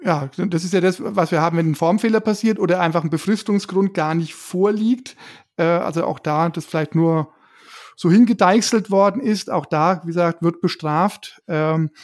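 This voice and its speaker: A man's voice: high-pitched, normal speed, a little mellow. A man from Germany explaining things as a podcast co-host in colloquial, casual talk with everyday examples.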